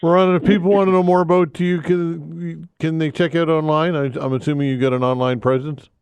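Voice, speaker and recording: A radio host on a studio mic, his voice smooth and crisp in a dry booth. He speaks a little above the usual male pitch and keeps his questions short and brisk. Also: level tone, a little mellow, dry recording, highs cut off. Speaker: radio talk show host. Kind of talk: talk radio interview.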